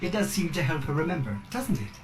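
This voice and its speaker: Excitable, anxious male AI assistant. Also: fairly high pitch, brisk, background noise. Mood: eager, helpful. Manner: theatrical, fussy, emotionally volatile. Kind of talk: video game voice acting. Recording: music behind the voice. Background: game music.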